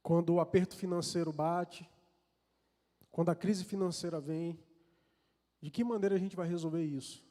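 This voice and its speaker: High-voiced Brazilian preacher in a reverberant hall. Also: male voice, steady tone, moderate pace, pauses often, warm tone. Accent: Brazilian Portuguese. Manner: earnest, confessional, repeats and restarts words. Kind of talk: sermon with personal storytelling. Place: large church hall. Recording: long reverb of a church hall.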